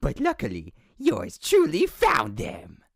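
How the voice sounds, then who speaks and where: Wildly swooping, raspy scavenger. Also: female voice, low-pitched, huge pitch swings, slow, no room sound, studio quality, full character voice. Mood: gleeful, scheming. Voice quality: raspy, gravelly. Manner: melodramatic, gossipy, wildly swooping. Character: gleeful, scheming scavenger card duelist. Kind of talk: fan audio drama acting.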